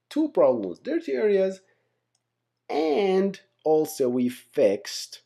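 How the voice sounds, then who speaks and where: A man's voice: mid-range voice, mellow. A man giving an informal explainer lesson as an instructor, conversational and often checking in with his listeners. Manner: conversational, often checks in with "right?", "okay?", "guys". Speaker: software engineering instructor, channel host.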